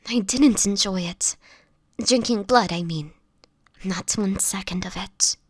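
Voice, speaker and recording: A woman playing a sickly, gentle homeless woman turning vampire in an intimate audio roleplay, with a whispery, hesitant delivery. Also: mid-range voice, no room sound, studio quality. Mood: guilty, confessional. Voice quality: breathy, whispery. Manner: halting, hesitant, fragile delivery.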